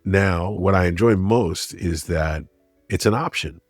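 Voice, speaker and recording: A man's voice: low voice, measured pace, no room sound, soft background music. A middle-aged or older man speaking as an interview guest, conversational and anecdotal. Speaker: interview guest, critic and broadcaster.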